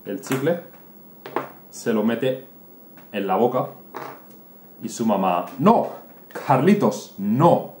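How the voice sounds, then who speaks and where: Teacher guy, super slow storytelling for learners, animated, echoey room, faint hiss. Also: lowish voice. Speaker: Spanish teacher. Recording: roomy room, faint noise.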